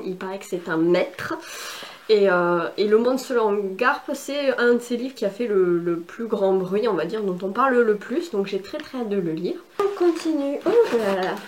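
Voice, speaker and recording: A woman's voice: on the high side, a little hiss or hum. A woman book vlogger chatting casually and enthusiastically through an unboxing, with lots of fillers. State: has a cold.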